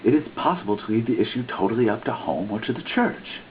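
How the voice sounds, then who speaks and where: A man with a very low voice reads a written text in a mock-dramatic style, pushing his pitch and stress up and down theatrically. The recording is thin and phone-like, with a faint hiss under it. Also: animated, fast. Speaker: reader. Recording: tinny lo-fi recording with faint noise.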